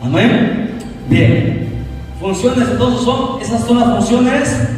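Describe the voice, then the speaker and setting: A man's voice: very high voice, slow, darkish tone, soft background music. A man pastor preaching a sermon, asking the congregation questions and answering them himself, recorded from a distance in a church hall. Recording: echoey hall recorded from far off.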